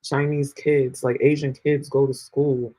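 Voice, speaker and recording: A man's voice: medium pitch, level tone, a little slow, dark tone, poor audio. A man with a New York accent co-hosting a casual panel chat, rambling and full of fillers. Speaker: podcast co-host.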